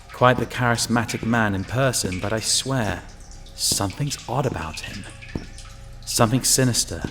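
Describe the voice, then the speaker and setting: A man's voice: lowish voice, close to an everyday voice. A man playing a wary, grumbling inspector who talks to himself and narrates in the first person in an audio drama. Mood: uneasy, reflective. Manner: muttering to himself, exasperated. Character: grumbling, wary male inspector alone in sewers.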